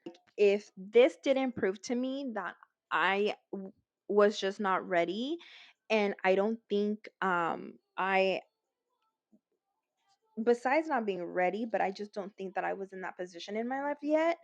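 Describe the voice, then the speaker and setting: A woman's voice: mid-range voice, no echo. Young woman, LA Latina accent, casual storytime, acts out quotes, dry and slightly dull sound. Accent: Los Angeles Latina, mixes in Spanish. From Los Angeles. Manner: animated, acts out quotes, frequent fillers. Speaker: vlogger.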